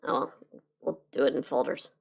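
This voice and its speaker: A woman chatting casually on a live drawing stream, her voice slightly hoarse from being sick, rambling with lots of fillers and restarts. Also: a little fast. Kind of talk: casual chat while drawing.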